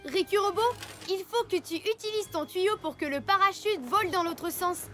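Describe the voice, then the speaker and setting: A woman's voice: very high voice, moderate pace, bright, forceful tone. A woman playing a brave, eager little alien boy who leads a patrol in a children's cartoon, speaking in an earnest, emphatic way. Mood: determined. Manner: emphatic, earnest, proclaims slogans. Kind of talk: animated children's cartoon dub. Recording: music behind the voice.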